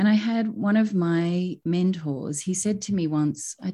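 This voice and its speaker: This woman speaks with an Australian accent. Her tone is dark and mellow, and her intonation is lively. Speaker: visibility coach, school founder. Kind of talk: casual chat. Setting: video call.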